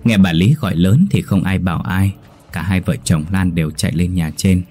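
A man narrating a scripted ghost story in a slow, ominous storytelling manner. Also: low voice, mellow. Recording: faint background music.

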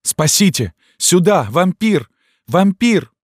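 A man's voice: fairly low pitch, expressive, unhurried, a little mellow, husky, no room sound, clean studio sound, pitched above the performer's own voice. A man reading an audiobook, voicing a terrified, defiant young gypsy woman who cries out with trembling indignation. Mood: screaming.

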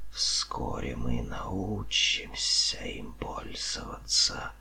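A man voicing a mocking, arrogant serpent-man leader in an audiobook, in a soft, hissing whisper with a haughty, drawn-out delivery. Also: a bass voice, heavily acted. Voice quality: breathy whispering hiss, soft. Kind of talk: audiobook character voice.

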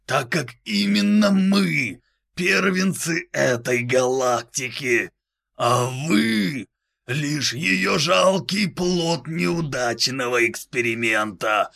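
A demonic, gloating alien overlord speaks in a booming voice that seems to come from everywhere. Pitched high and strained, it sounds distant and unlike his usual timbre. He draws out each cruel taunt slowly and grandly. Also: animated, vocal fry, sharp tone, heavily acted. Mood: gloating fury. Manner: slow, menacing, declamatory. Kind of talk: audiobook-style dramatic reading.

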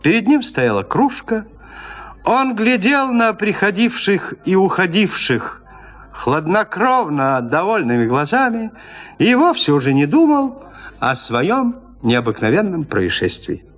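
A man narrating a classic tale in a radio drama, telling it in an expressive, dramatic way. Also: high-pitched, measured pace.

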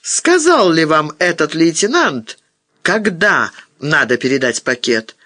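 A man's voice: fairly high pitch, sing-song, slow pace, bright, forceful tone, no room sound, studio quality, exaggerated voice. A man playing a cold, menacing middle-aged colonel who speaks curtly. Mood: icy. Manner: icy, curt.

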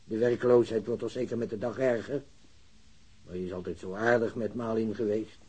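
A man's voice: lowish voice, steady tone, moderate pace, darkish tone, husky. A man acting a worried, aggrieved working-class grandfather in a radio drama, plain-spoken and grumbling. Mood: resigned, plaintive. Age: older.

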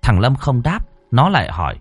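A man narrating a ghost story with a lively, rising-and-falling delivery and plenty of drama. His voice is dry and close to the mic, with faint music playing underneath. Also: mid-range voice, moderate pace, husky, no room sound. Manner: dramatic, expressive reading. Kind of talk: scripted horror narration.

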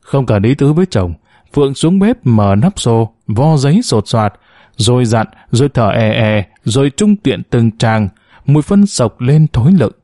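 A man reading a short story aloud as narrator, in an expressive storytelling manner. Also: mid-range voice, measured pace, no echo, clean studio sound.

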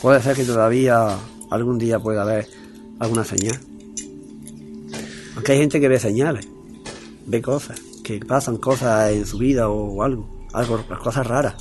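A man's voice: medium pitch, steady tone, moderate pace, darkish tone, faint music behind. Earnest man giving testimony. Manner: earnest, repetitive, plain-spoken. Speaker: interview guest, devotee.

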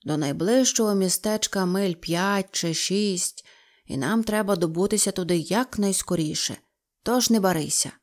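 A woman's voice: mid-range voice, natural voice. Woman voicing a water rat, male, stern, practical, decisive, storybook reading. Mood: firm. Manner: firm, decisive, brisk.

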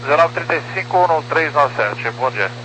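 A man's voice: a little high, expressive, a little fast, low-quality recording. A man talking as a pilot over a cockpit headset radio, giving terse, routine readbacks in clipped radio phraseology. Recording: radio transmission with loud noise and hum.

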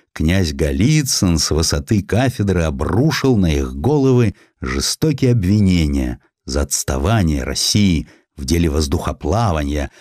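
A man narrating a literary historical sketch as an audiobook, in an expressive, measured, dramatic storytelling manner. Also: low voice, dry recording, studio quality.

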